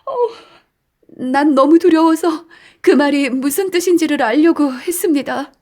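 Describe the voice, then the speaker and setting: A woman performs as a distraught wife in an audiobook drama. Her voice is high and full of dread. She speaks haltingly, pleading and anguished, as if confiding a terrible fear. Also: darkish tone. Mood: fearful.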